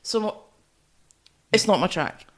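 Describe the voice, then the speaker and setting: A woman's voice: medium pitch, animated, slow. A woman co-hosting a music podcast, chatting casually about albums and favourite tracks.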